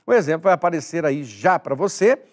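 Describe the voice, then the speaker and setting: A man's voice: fairly high pitch, lively intonation, brisk. A man teaching a recorded exam-prep grammar lesson, emphatic, repeating key words and speaking straight to the viewer.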